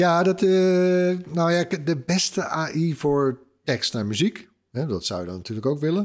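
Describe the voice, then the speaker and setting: A man speaks at a fairly slow pace with lively intonation and a fairly high pitch, on a very clean recording with a silent background. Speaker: tech podcast co-host. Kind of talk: casual chat. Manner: animated; halting.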